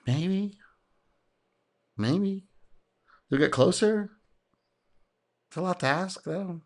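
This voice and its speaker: A man hosting a casual reaction video, speaking in an animated way, laughing and acting out quotes, his voice going a little hoarse. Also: sits high, slow. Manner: animated, exclaims and laughs, acts out customer quotes. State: getting hoarse.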